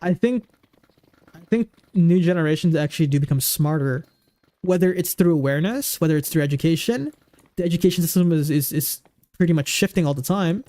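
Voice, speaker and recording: A man's voice: fairly high pitch, brisk, warm tone. Goofy rambling streamer guy in his twenties. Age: 20s. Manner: rambling, full of fillers and restarts; goofy, easygoing. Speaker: livestreamer. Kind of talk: casual livestream chat.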